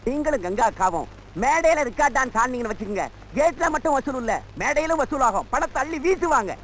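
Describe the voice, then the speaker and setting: An actor playing a scheming, teasing comic sidekick in an old Tamil film comedy. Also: male voice, very high-pitched, expressive, quick pace, fairly bright tone, a little hiss or hum, rough recording. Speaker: comic sidekick of a stage troupe.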